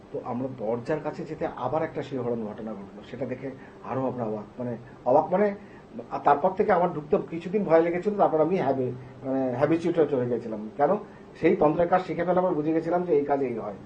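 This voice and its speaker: A man tells a tale with heavy drama. He leaps to loud, emphatic bursts, then drops to a hush. It sounds like a dull, lo-fi TV studio recording with a faint hiss underneath. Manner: swings between loud emphatic bursts and hushed low tones. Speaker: tantric practitioner telling his story. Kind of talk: dramatic personal storytelling.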